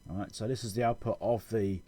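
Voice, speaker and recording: A man giving an informal technical explanation as a channel host, halting and correcting himself as he thinks aloud. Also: on the low side, fairly even intonation, dark tone. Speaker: electronics repair channel host.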